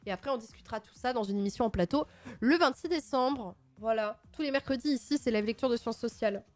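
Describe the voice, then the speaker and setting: A woman hosting a livestream in casual chat, playful and expressive with sudden excited outbursts. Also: fairly high pitch, quick pace. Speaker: livestream host. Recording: faint music in the background.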